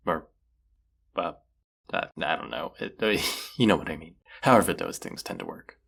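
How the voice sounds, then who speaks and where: A man's voice: sits low, very animated, moderate pace, gravelly, a bit bright, heavily acted. A man acting a young guy with a secret crush on his best friend, chatting playfully and teasingly in an intimate roleplay audio drama, sometimes hesitant. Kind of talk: intimate roleplay audio drama, casual one-sided chat.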